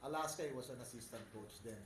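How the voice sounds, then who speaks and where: An older man with a Filipino accent, answering as head coach at a postgame press conference, switching between English and Tagalog and pausing often. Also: mid-range voice. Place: press room with sponsor backdrop. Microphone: table mic on stand. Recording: echoey room with background noise.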